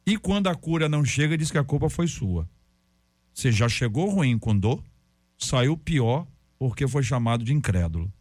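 A man's voice: mid-range voice, big pitch swings, normal speed, a little mellow, dry recording. A man hosting a casual church talk, joking and conversational. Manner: joking, conversational, self-deprecating.

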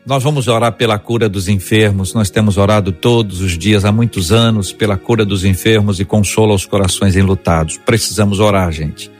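Lower-voiced male radio host, chatty. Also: fairly even intonation, brisk, few pauses, soft background music. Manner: chatty, repeats phone numbers, enthusiastic. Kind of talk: radio debate hosting.

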